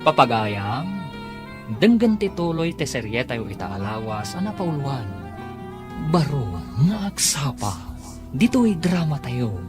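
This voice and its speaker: Animated male radio serial announcer over music. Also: medium pitch, a little slow. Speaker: radio drama announcer and narrator. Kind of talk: scripted radio serial narration.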